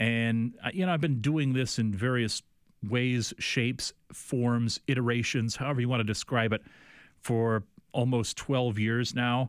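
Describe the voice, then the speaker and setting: In an unremarkable speaking voice with an American accent, the speaker talks at a fairly slow pace with fairly even intonation and very even loudness on a very clean recording with a silent background. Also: man, medium pitch for a man. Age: 40s. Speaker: sports radio host. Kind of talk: sports talk radio. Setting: studio.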